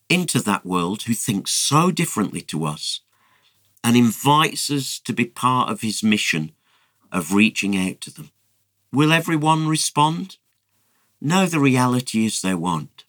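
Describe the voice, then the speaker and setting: A man telling a Bible story on radio in an animated teaching manner, chuckling as he goes. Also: mid-range voice, dry recording, clean studio sound. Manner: lively storyteller, chuckles often.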